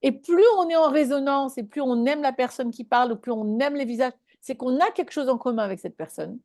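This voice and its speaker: A woman's voice: high voice, fairly quick, dark tone, no room sound, studio quality. A woman giving a live spiritual talk to a small online group, speaking conversationally and checking in with her listeners.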